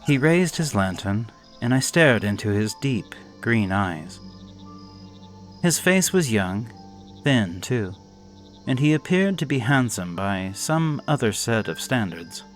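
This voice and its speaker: A man narrating a gothic horror story in a measured, expressive reading. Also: medium pitch, soft background music.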